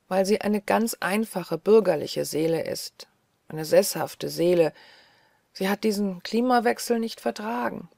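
A woman's voice: medium pitch, creaky, darkish tone, no room sound, clean studio sound. Woman reading a tired, fretful young doctor. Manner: restless, pleading chatter.

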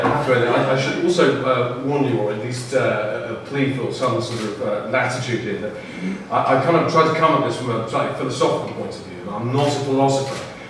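A man giving a halting panel talk with many fillers and restarts, in a lecture room before an audience. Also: medium pitch. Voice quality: loud voice. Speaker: panel speaker. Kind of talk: halting public talk from notes. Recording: echoey room, far mic, faint noise.

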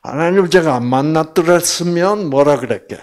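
An older man giving a Bible lecture, telling a family story and acting out the quoted voices with big swings. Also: fairly quick. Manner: animated, acts out quotes with big pitch jumps.

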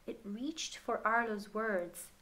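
A woman narrates a children's story at an unhurried, slow pace in a mid-pitched voice. She is expressive and deliberate, softening phrase endings and addressing young listeners directly. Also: low-quality recording.

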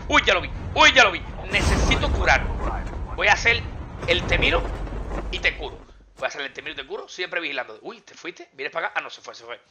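A man giving excited, exclamatory commentary over his mobile game, talking to viewers and to enemies as he plays. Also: high voice, background noise. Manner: exclamatory, talks to viewers and enemies while playing.

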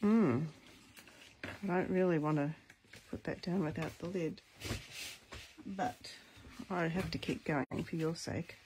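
A woman with a deep, husky voice hosting a casual stamping tutorial, chatting and thinking aloud as she crafts. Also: takes it slowly, pauses often, background noise. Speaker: craft video host.

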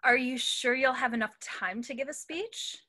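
A woman's voice: high voice, moderate pace, sharp tone. A young woman playing a teasing, wry backstage friend in a staged reading. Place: room at home, video call.

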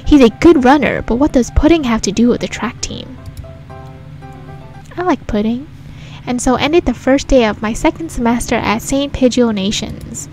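A woman's voice: fairly high pitch, normal speed, a little mellow, poor audio. A woman hosting a let's play, reading a visual novel aloud and adding casual commentary. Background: game music.

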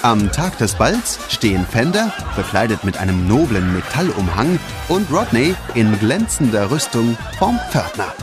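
A male narrator tells a children's audio story in standard German. His delivery is dramatic and animated, with music clearly playing behind him. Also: medium pitch, measured pace.

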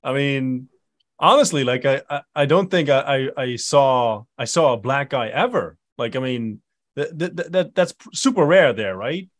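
A man's voice: mid-range voice, lively intonation, moderate pace, no room sound. A man in his thirties hosting a casual interview, talking loosely with lots of fillers and restarts. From Netherlands. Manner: loose, hesitant, many likes and restarts. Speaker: podcast host. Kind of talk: casual video call interview. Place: dark home studio. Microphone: studio mic on boom.

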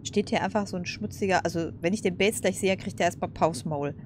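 A woman's voice: lowish voice, fairly even intonation, brisk, a little mellow, a little hiss or hum. A woman casually commenting over a game, chatty, laughing and cursing at setbacks. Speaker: let's play host.

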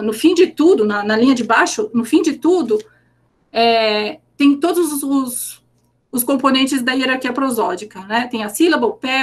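A young Brazilian Portuguese-accented woman giving an academic conference presentation over a video call, explaining her work step by step and often stopping to repeat words as she thinks. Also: high-pitched.

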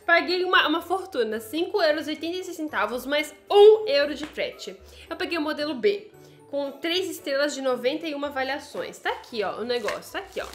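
A woman's voice: high-pitched, fairly bright tone. Chatty brazilian woman in an echoey kitchen. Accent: Brazilian Portuguese. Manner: chatty and playful, joking asides to viewers. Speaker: YouTuber testing products. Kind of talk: casual product-testing chat to camera.

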